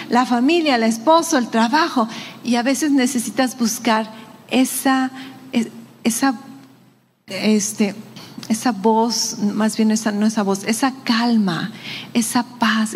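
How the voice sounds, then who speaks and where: Predicadora de voz aguda en sala resonante. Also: female voice, a little high, in a large hall, slight background noise. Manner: conversational preaching with rhetorical questions. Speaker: pastor. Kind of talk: sermon. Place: church hall.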